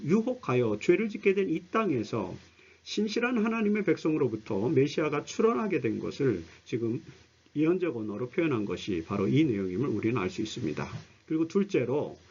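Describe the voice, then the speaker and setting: Man teaching scripture in lively, swooping tones. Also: on the high side, slightly rough, dull audio. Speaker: Bible study commentary presenter. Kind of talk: explanatory religious lecture with scripture readings.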